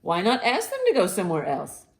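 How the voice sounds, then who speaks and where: A woman's voice: medium pitch, huge pitch swings, a little fast, slight background noise. A woman reading the part of a helpful, matter-of-fact pig in a children's picture book. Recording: roomy, echoing sound.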